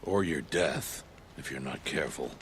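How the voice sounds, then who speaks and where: An actor playing a stern, solemn middle-aged tribal hunter and mentor in a video game, speaking in a grave, measured, formal way. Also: male voice, rumbling low, expressive, vocal fry, fairly bright tone, slight background noise, full character voice. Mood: grave warning.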